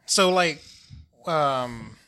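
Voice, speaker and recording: Podcast host dude, bright voice, easygoing, swears a bit. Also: male voice, on the high side, animated, drawn-out words, clear, resonant tone. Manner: easygoing, joking, swears casually. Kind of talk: casual podcast interview.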